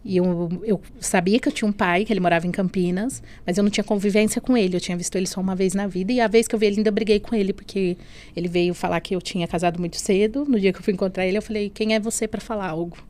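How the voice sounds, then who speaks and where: Mulher brasileira contando seu testemunho. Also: female voice, medium pitch, fairly even intonation, racing, a little mellow. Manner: earnest, often adds "né?" and "assim". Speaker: guest telling her testimony. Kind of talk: emotional personal testimony in a podcast interview.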